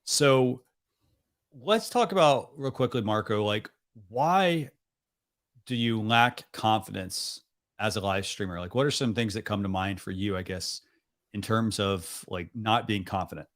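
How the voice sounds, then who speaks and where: A man's voice: lowish voice, a little slow, fairly bright tone. A young adult man hosting a live stream over a video call, chatting loosely with lots of "like" and "you know". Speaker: host. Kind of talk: casual live stream chat.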